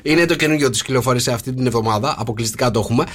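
A man's voice: medium pitch, fairly bright tone. A man hosting a radio morning show, teasing his co-hosts and taking calls. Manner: teasing, playful, announces phone number. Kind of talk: casual radio chat. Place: radio studio. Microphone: studio microphone.

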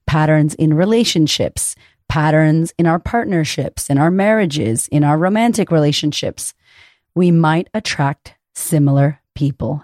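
A woman in her thirties with a raspy voice, hosting a podcast as a confidence coach and speaking frankly and encouragingly, with the odd curse, straight to the listener. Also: deep voice, dark tone, no echo, studio quality. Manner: frank, profane and encouraging, addresses listener directly. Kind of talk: casual podcast monologue.

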